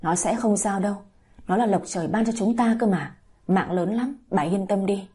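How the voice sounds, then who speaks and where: A woman's voice: mid-range voice, moderate pace, mellow, close to an everyday voice. A woman voicing a stern grandfather in an audio story who scolds his wife and then comforts her. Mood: comforting. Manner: stern, reproachful.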